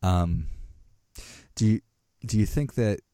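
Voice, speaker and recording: A man's voice: fairly low pitch, slow pace, warm tone, no room sound, studio quality. A man hosting a podcast interview in an upbeat, chatty way, often repeating words as he goes. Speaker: podcast host. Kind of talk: casual interview talk.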